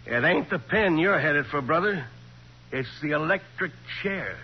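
An actor playing a folksy, cocksure small-town sheriff with blunt colloquial speech in a 1940s radio crime drama. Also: male voice, a little high, lively intonation, unhurried, loud music behind the voice. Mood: accusing. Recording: muffled, noisy 1940s radio recording.

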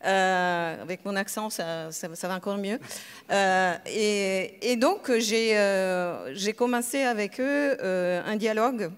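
A woman professor talks on a conference panel with a smooth, clear voice. She hesitates often and fills gaps with filler sounds. Her voice carries through a long, echoing hall reverb. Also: medium pitch, slow pace. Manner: hesitant, many filler sounds, searching for words. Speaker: energy economics professor, panelist. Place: lecture hall at a school.

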